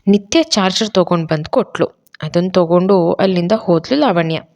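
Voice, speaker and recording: A woman narrating a serial audio love story in a steady, conversational storytelling way. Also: lowish voice, moderate pace, dull audio.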